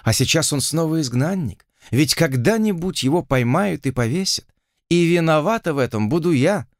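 A man's voice: fairly high pitch, animated, normal speed, no room sound, clean studio sound, voice pushed up. A man voicing a young plantation owner's daughter, speaking in a theatrical, pleading and melodramatic way. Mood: lamenting.

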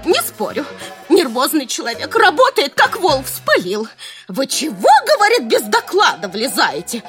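A woman voicing a distraught young secretary in a radio play. Her very high, bright voice swoops all over the place. It sounds musical but nasal from weeping, and she is frantic throughout. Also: wildly swooping pitch, moderate pace, faint music behind, exaggerated voice. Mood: agitated retelling. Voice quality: musical, slightly nasal after crying. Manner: frantic, wailing, breathless retelling. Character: hysterical tearful young female secretary. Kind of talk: radio drama acting.

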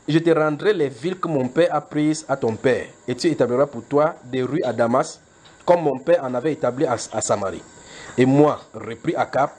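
A man preaching a sermon who retells scripture as a film, with lively, joking storytelling. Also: medium pitch. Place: church.

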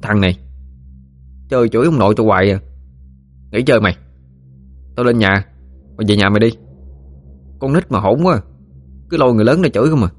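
A man's voice: fairly low pitch, a little fast, pauses often, faint music behind, pitched above the performer's own voice, close to an everyday voice. A man voicing a blunt, easily irritated village boy in an audio ghost story. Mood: grumpy. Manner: grumpy, shouting.

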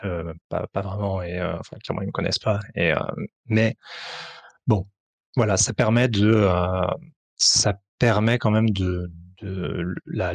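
A man with a low, gravelly, slightly husky voice answers in a halting way, circling back with fillers and restarts. The recording is dry and close. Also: dry recording. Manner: hesitant, many fillers and restarts. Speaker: tabletop RPG author, translator and publisher. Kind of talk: conversational interview answers.

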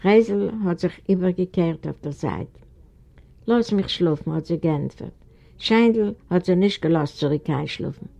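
Low, gravelly woman reading a story. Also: moderate pace, mellow. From Eastern Europe. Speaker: audiobook reader. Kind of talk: storybook narration.

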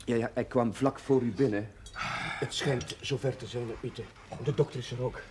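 An actor playing an earnest, devout young Catholic curate in a television drama, measured and formal in speech. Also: male voice, mid-range voice, fairly even intonation, background noise, close to an everyday voice. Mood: calm, reflective. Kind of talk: 1970s Dutch television drama acting.

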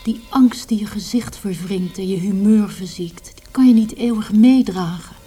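Concerned wife, dark mellow tone, medium pitch, hushed intimate delivery, radio play. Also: female voice, moderate pace, breathy edge, soft background music. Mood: worried, firm. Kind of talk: literary radio drama acting.

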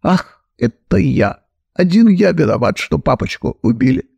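A man's voice: high voice, expressive, moderate pace, a little mellow, no echo, muffled recording, voice pushed up. A man putting on a blubbering plump young man. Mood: wailing. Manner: wailing, sobbing complaints. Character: plump tearful young man, hysterical, self-pitying.

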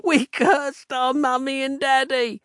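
A man's voice: very high-pitched, little pitch movement, takes it slowly, fairly bright tone, dry recording, studio quality, voice pushed up, exaggerated voice. A man voicing a tearful, wailing young boy in an audiobook. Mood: despairing.

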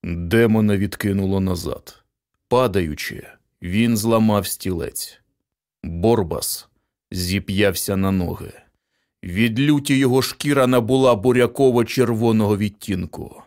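A man narrating a short story in an even, steady reading voice. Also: lowish voice, measured pace. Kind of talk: audiobook reading.

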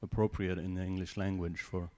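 A man's voice: deep voice, flat delivery, fairly quick, dark tone. A man from Switzerland with a Swiss German accent, a native Swiss German speaker, giving a personal testimony in church with informal joking asides.

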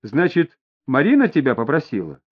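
Man playing a firm, steady police inspector. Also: medium pitch, normal speed, breathy edge. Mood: steady, probing. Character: calm, firm male police inspector questioning a suspect. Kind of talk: audiobook character voice. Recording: dull lo-fi audio.

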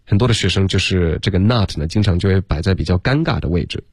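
A man teaching English on a radio lesson, patiently explaining pronunciation and reading example sentences slowly. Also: sits low, animated, darkish tone, husky, dry recording, clean studio sound. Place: radio studio.

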